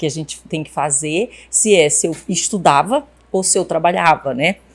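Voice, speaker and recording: Her intonation lively, a woman speaks at a fairly low pitch. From interior of Pará, Brazil, raised in Parintins. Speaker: university professor. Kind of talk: casual interview. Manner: halting, repeats words.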